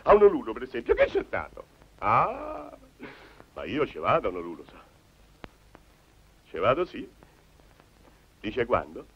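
Whiny bachelor hypochondriac. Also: male voice, medium pitch, wildly swooping pitch, unhurried, creaky, long pauses, slightly rough, exaggerated voice. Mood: daydreaming. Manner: whiny, fretful muttering to himself, swings to wailing complaints. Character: fussy, self-pitying hypochondriac middle-aged bachelor man. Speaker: film character. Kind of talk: 1950s film comedy acting. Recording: dull old film soundtrack with faint hiss and music.

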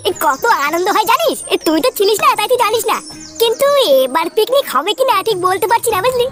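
Squeaky, chatty cartoon buddy. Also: male voice, big pitch swings, fast, fairly bright tone, soft background music, exaggerated voice. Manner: chatty, gossipy. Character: chatty male club friend, cartoon. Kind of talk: comedy cartoon acting.

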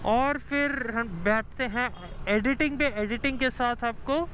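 A man's voice: very high-pitched, measured pace, bright, forceful tone, low-quality recording. A man vlogging while riding a scooter, chatting about and testing a lapel mic. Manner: chatty, testing mics with counts. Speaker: moto vlogger. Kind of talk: casual vlog talk while riding. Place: outdoors on a scooter in city traffic. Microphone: clip-on lapel mic under helmet. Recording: road traffic noise. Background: traffic and wind noise.

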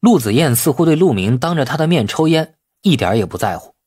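A man's voice: medium pitch, sing-song, fast talker, darkish tone, breathy edge, dry recording, clean studio sound. A man narrating an audiobook as dramatic scripted storytelling.

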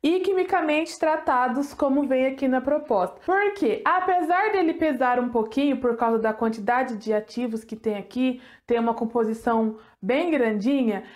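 A woman's voice: sits high, darkish tone. A woman in her thirties from Brazil, reviewing hair products to camera in a chatty, enthusiastic way with self-mocking jokes. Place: small home studio with decorated shelves.

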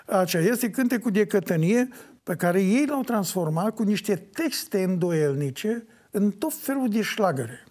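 An older man answering interview questions in an animated way, breaking into sung folk lines as he talks. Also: sits high. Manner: animated, sings folk lines mid-talk. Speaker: folk singer.

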